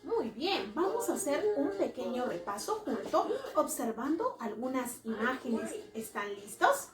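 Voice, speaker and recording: A woman with a high, lively voice leads a children's lesson, sing-song and coaxing, checking in with small tag questions. She speaks slowly and carefully. Her voice sounds roomy and a little far from the mic, with clear music playing behind. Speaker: preschool teacher.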